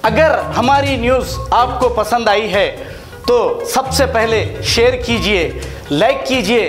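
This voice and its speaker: A man's voice: extremely high pitch, slow pace, a bit bright. A man announcing a scripted outro for a news channel. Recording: echoey voice over faint music. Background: music.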